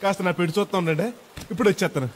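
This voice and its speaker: A man's voice: high-pitched, steady tone, rapid-fire, a little hiss or hum, lightly acted. An actor playing a naive, chatty village man on his first flight, in a film comedy scene. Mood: curious. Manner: loud, rustic and chatty. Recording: film audio with music behind.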